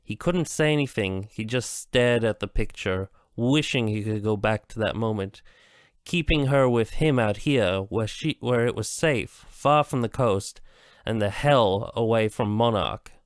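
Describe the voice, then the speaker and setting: A man reading a novel aloud slowly, with halting restarts, as an amateur audiobook reader. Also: lowish voice, smooth, no echo, studio quality.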